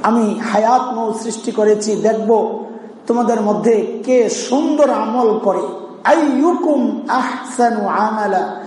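High-voiced preacher in an echoey hall. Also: male voice, darkish tone. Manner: emotional, sighing exclamations, sings verses slowly. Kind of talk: Bengali sermon with chanted Quranic recitation. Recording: echoey hall, faint ambience.

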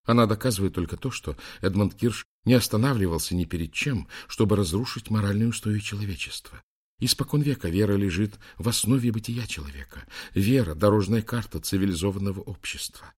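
A man's voice: on the low side, brisk, husky. A man reading the lines of a stern female priest who lectures on faith and morals. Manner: preachy, solemn.

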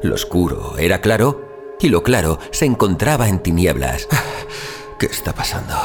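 A man playing a troubled wanderer who narrates a haunting dream in audio fiction, theatrical and suspenseful, with deliberate pauses. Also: low-pitched, very animated, exaggerated voice. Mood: bewildered, eerie. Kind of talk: dramatic first-person audio fiction narration. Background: music.

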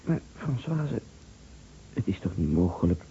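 Shaken, stammering man, dark gravelly voice. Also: deep voice, big pitch swings, measured pace, full character voice. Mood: stunned disbelief. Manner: hesitant, repeating words. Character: shaken, earnest male friend, polite and stammering. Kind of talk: Dutch radio play acting. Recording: dull, noisy old radio recording.

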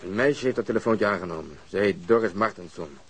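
An actor playing a gruff, exacting, short-tempered police detective in a radio crime drama, blunt and commanding. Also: male voice, on the low side, fast, fairly bright tone. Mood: calm, assured.

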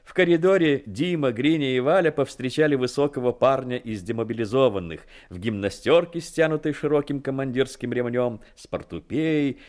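A man's voice: medium pitch, normal speed, hardly any pauses, a little mellow. A man reading scripted literary narration as the narrator of a radio play.

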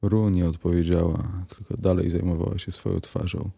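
A man narrating a crime story aloud in a calm, even reading voice. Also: sits low, normal speed, creaky, breathy edge. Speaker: audiobook narrator.

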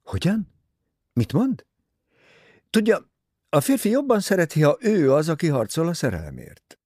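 In an audiobook, a man voices a nervous, defensive young husband, pleading in loud, excited outbursts whose pitch swings wildly. His husky, slightly gravelly voice sounds agitated, and the recording is close and dry.

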